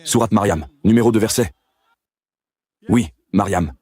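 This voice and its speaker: Brief: man, low and husky voice, dry close sound, cuts in with short repeated demands. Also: a little slow, darkish tone, dry recording. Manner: insistent, repeats demands curtly. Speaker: speaker answering audience questions. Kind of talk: public question-and-answer debate.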